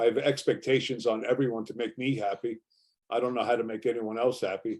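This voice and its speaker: Delivered at a very fast pace with an American accent, the speech has monotone, flat intonation. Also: man, medium pitch for a man. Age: 60s. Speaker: recovering alcoholic speaker. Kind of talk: recovery meeting talk. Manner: casual, frequent fillers.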